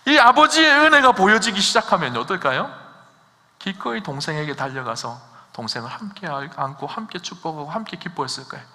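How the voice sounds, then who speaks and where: Man, pastor, sermon, rhetorical questions, emphatic, bright tense voice, reverberant hall. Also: high voice, big pitch swings, brisk. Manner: preaching with rhetorical questions to the congregation, rising to emphatic peaks. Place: church sanctuary.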